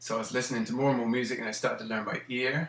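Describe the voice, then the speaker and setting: A man with an English accent speaks at a fairly quick pace. His intonation is fairly even, and room echo is audible. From southern England, Salisbury; southern England. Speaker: guitar and ukulele instructor; ukulele instructor. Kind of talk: informal talk and demonstration. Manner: casual, with many fillers. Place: home room. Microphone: camera far.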